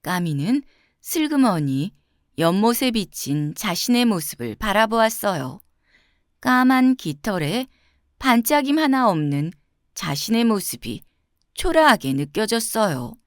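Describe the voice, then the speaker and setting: A woman storyteller narrating a children's fairy tale from a script, with expressive, carefully phrased delivery. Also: medium pitch, a little slow, dry recording, studio quality.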